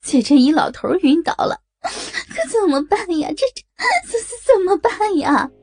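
A woman's voice: sing-song, measured pace, a little mellow, full character voice. A woman doing a sobbing, stammering panicked woman. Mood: panicked crying. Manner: stammering, sobbing, high-pitched pleading. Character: panicked tearful middle-aged woman caught out.

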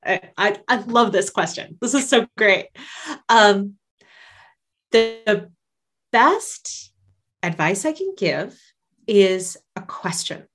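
A woman's voice: mid-range voice, lively intonation, slow, long pauses, a bit bright, soft background music. A woman guest on a podcast, a singer and life coach, talking in a casual, enthusiastic and encouraging way and laughing often.

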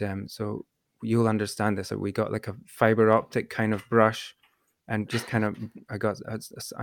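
A man's voice: on the low side, no echo, clean studio sound. A man hosting a podcast, reading the sponsor spot and then telling a long story with many ums and restarts. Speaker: podcast host. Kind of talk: podcast interview and sponsor read.

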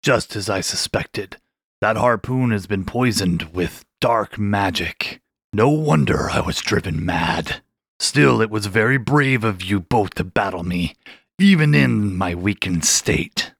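A vast, ancient king of the sharks, as a man puts him on for a storybook, with a deep growling voice. He speaks slowly and solemnly with grand formality. The sound is close and dry. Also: lively intonation, fairly bright tone, no echo, full character voice. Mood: grave. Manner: slow, solemn, stately speech. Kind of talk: storybook character voice.

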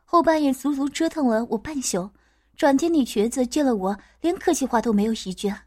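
High-voiced woman narrating a story. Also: lively intonation, fairly quick, a little mellow. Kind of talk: first-person audio story narration.

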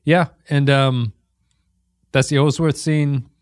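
A man's voice: mid-range voice, steady tone, slow pace, clear, resonant tone, no echo, studio quality. A man hosting a casual podcast, explaining plot points at length with frequent restarts. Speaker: podcast host. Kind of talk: casual chat.

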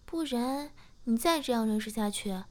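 A woman voicing a teasing, outspoken young woman who banters loudly in a whispered story. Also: fairly high pitch, lively intonation, normal speed, natural voice.

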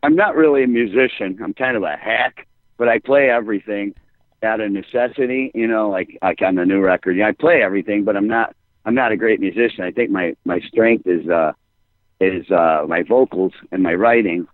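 A man's voice: lowish voice, a little fast, no echo, narrow, tinny audio. A man with a Chicago accent, a musician guest rambling casually in an interview, often repeating words.

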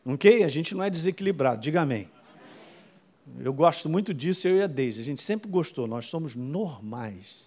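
A male pastor, preaching a sermon in a lively, conversational way full of quick asides. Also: on the high side.

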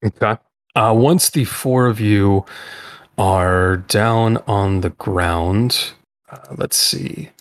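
A man narrating a tabletop role-playing session as game master, unhurried and full of filler sounds. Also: lowish voice.

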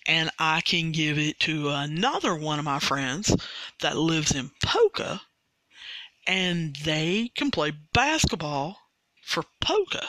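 A podcast host, explaining a rule slowly and carefully in a casual monologue. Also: medium pitch, expressive, pushed and bright, no room sound. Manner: slow, deliberate, careful explaining with restarts.

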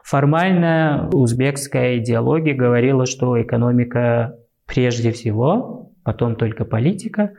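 A man from Uzbekistan with a Central Asian Russian accent, explaining things conversationally as an interview guest in a halting, thoughtful way. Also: medium pitch, animated, vocal fry, a little mellow.

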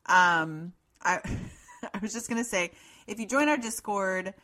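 A middle-aged woman with a deep voice, co-hosting a podcast in casual banter with dry, understated interjections. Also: measured pace, bright, forceful tone. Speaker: podcast co-host.

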